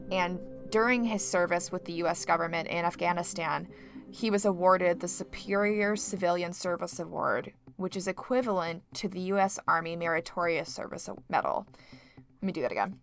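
A woman co-hosting a podcast, her voice a little low, with faint music sometimes underneath. She introduces and praises her guest with open enthusiasm before warmly asking him questions. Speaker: podcast co-host.

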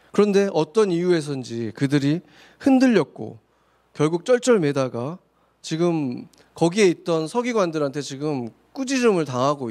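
A man's voice: fairly high pitch, darkish tone. A man preaching a Sunday sermon, reading scripture aloud and then explaining it with many rhetorical questions. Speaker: pastor.

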